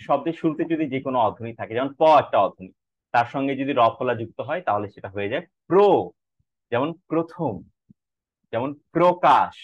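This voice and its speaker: A man teaching an online class on pronunciation, saying each example word slowly and clearly, sometimes several times. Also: medium pitch, no echo. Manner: slow, drawn-out modelling of words. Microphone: video call. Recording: dull lo-fi online call audio.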